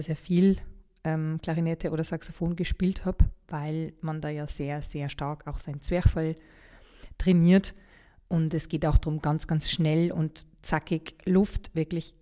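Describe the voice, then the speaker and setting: A young woman with a light Bavarian accent speaks in a low, warm, relaxed voice. She tells her own story candidly and reflectively on a podcast, often pausing with fillers and starting her sentences over. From Upper Palatinate, Bavaria. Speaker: podcast host.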